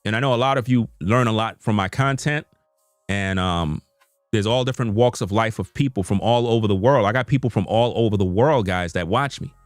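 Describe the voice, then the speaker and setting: A man's voice: fairly low pitch, fairly quick, dry recording, studio quality, faint music behind. A man, talking to his viewers in an unscripted live stream from his computer, earnest and repetitive, with informal slang. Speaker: YouTube content creator. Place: home room at a computer.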